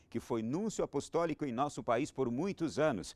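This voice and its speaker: With vocal fry and very wide pitch swings, a man talks at a moderate pace in a dry, close recording with no echo. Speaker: TV host. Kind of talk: scripted narration; interview.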